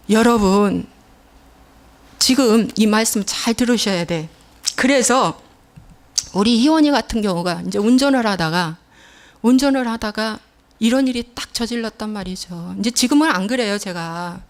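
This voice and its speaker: Emphatic Korean woman pastor preaching. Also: on the high side. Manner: emphatic storytelling preacher, acting out quoted scolding. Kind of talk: sermon. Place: church.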